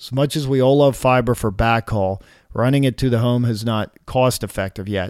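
A man with an American accent talks at a moderate pace with fairly even intonation, in an ordinary speaking voice. The recording is very clean, with a silent background. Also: medium pitch for a man. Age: 50s. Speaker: wireless industry podcast host. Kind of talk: solo podcast commentary. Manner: casual, conversational.

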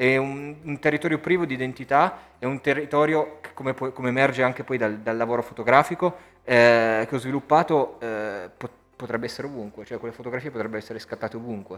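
Very fast pace and big swings in loudness. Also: man, medium pitch for a man, ordinary pitch variation. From northern Italy, Turin. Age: 30s. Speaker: photographer. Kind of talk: interview. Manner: halting, many fillers and repetitions.

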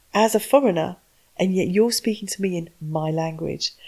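A woman speaks with an English accent at a moderate pace. The recording is very clean, its background silent. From England. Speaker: business trainer. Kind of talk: interview.

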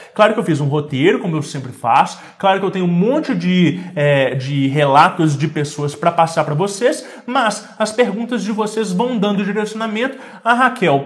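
A high-pitched man's voice with very wide pitch swings, moving at a moderate pace with hardly any pauses. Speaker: podcast host and reiki teacher. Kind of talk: live stream chat with listener reports. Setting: studio.

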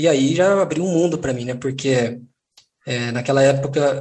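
Somewhat breathy and fairly high-pitched, a man speaks at a moderate pace. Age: 40s. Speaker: digital artist and game illustrator. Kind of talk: interview. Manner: halting.

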